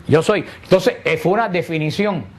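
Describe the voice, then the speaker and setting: A man's voice: a little high, moderate pace. A man teaching a catechesis lesson to a group, explaining step by step and posing rhetorical questions that he answers himself.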